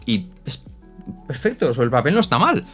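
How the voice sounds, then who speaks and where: A man's voice: mid-range voice, fairly quick, soft background music. Man explaining English pronunciation. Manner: animated, demonstrates pronunciations with exaggerated examples. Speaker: English teacher. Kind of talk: explanatory teaching talk.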